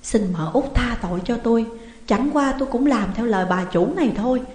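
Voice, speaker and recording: A woman's voice: a little high, animated, brisk, darkish tone, lightly acted. A woman voicing a frightened male silversmith who stammers and begs for mercy. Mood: fearful. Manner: stammering, fearful, begging. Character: cowering male silversmith accomplice. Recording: echoey room with long reverb.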